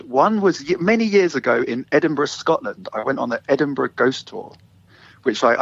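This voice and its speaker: A man's voice: mid-range voice, gravelly, slightly rough, dry recording. A middle-aged man with a London accent, chatting as an interview guest about how he started a walking tour business. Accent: London English. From England. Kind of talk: casual interview storytelling. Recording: slightly dull lo-fi sound.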